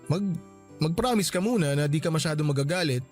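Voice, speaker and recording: A man's voice: on the high side, lively intonation, fairly quick, soft background music, lightly acted. A man playing a young husband in a radio drama, defensive and pleading. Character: young husband, soft-hearted and placating.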